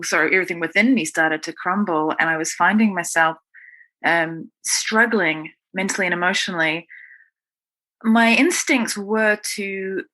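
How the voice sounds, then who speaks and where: A woman's voice: fairly low pitch, bright, forceful tone. A woman with a New Zealand accent, telling her own story conversationally as an interview guest. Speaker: guest, writer.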